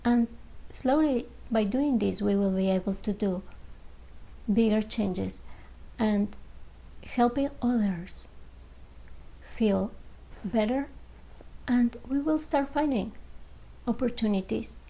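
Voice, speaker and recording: A woman leading a guided meditation, speaking slowly and gently in short phrases with long pauses, sometimes dropping to a soft near-whisper. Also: on the high side, vocal fry, rough recording.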